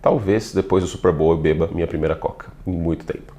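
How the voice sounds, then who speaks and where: A middle-aged man from São Paulo, his accent mostly neutralized, talks through football analysis on his own channel. His voice sits low, and he delivers it in a lively, playful, chatty way, slipping in asides as he goes. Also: quick pace. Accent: neutralized São Paulo Portuguese. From São Paulo, Brazil. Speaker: NFL analyst and channel host. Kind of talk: solo football commentary video.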